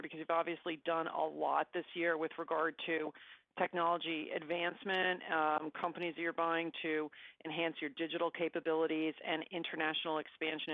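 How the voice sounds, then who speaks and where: A woman's voice: fairly low pitch, dry recording. Female analyst on a dull call line. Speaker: bank analyst asking questions. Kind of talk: conversational questioning on an earnings call. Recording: dry, dull conference phone line.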